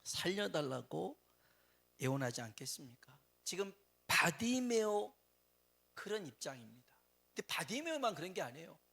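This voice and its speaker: A man preaching a sermon as pastor, acting out the people in the story and swinging from hushed asides to loud cries. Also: high-pitched, big pitch swings, normal speed, vocal fry, breathy edge. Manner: dramatic, acts out quoted voices, swings between hushed and loud. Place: church.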